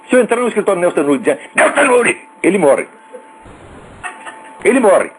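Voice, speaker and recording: A man's voice: high-pitched, a little hiss or hum, rough recording. A male radio host with a Brazilian accent, ranting in a scornful, profane and sarcastic monologue. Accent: Brazilian Portuguese.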